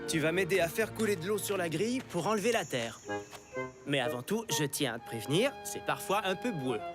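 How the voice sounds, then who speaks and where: A man playing a friendly cartoon archaeologist, enthusiastic and patient with children. His delivery swings up and down in pitch as he explains and encourages. Music runs behind him. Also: lively intonation, brisk, lightly acted. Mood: encouraging.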